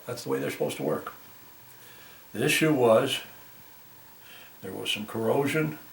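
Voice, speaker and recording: A man giving a casual hands-on repair demonstration as a volunteer technician, talking haltingly and thinking aloud as he works. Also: mid-range voice, vocal fry. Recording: roomy, noisy, distant microphone.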